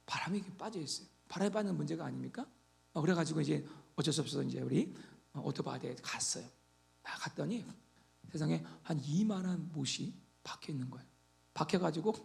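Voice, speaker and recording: A man preaching a sermon as pastor, animated, swinging between loud exhortation and quiet asides. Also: on the high side, vocal fry.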